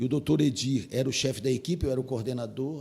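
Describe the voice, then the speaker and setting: Somewhat breathy and dark, mellow in tone, a man's medium-pitched voice moves at a fairly quick pace. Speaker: sports radio broadcaster. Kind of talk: casual interview.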